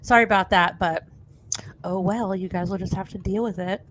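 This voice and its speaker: A woman's voice: mid-range voice, fairly even intonation, moderate pace, fairly bright tone, slight background noise. A woman hosting a podcast in casual chat, blunt and sweary, sounding sniffly with a cold. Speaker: podcast host.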